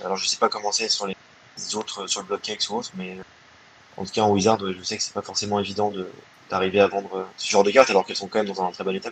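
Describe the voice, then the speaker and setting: This man talks at a very fast pace with a fairly low pitch and monotone, flat intonation. Noticeable background noise sits behind him. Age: 20s. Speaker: card collector. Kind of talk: casual chat.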